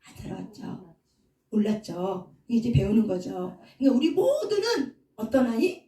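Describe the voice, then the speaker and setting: Woman pastor preaching in a roomy hall, mellow and a bit high, mic kinda far off. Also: huge pitch swings, moderate pace. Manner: asks the audience questions and answers them herself. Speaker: pastor and counselor. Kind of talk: sermon.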